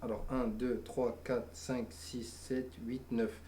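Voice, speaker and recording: A man's voice: medium pitch, level tone, slow, crowd noise. A man from France, chatting and joking in slang as a livestream participant. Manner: mocking, joking. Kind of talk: casual chat, slangy banter.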